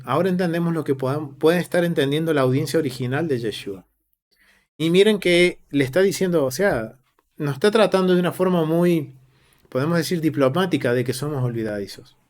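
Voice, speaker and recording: A man with an Argentine accent teaching a Bible study, reading scripture aloud and stressing key words slowly and earnestly. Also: on the high side.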